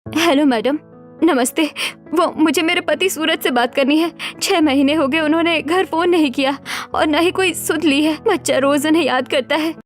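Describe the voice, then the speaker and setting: A woman's voice: sits high, normal speed, soft background music, lightly acted. Woman voicing a distressed poor young wife. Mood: pleading. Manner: tearful, pleading. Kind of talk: cartoon story voice acting.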